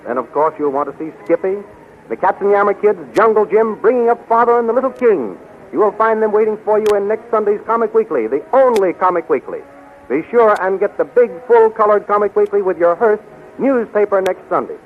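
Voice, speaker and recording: A man's voice: high voice, animated, fairly quick, faint music behind. A male announcer reading scripted 1930s radio narration in an emphatic, declamatory way. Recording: tinny, faintly noisy 1930s radio recording.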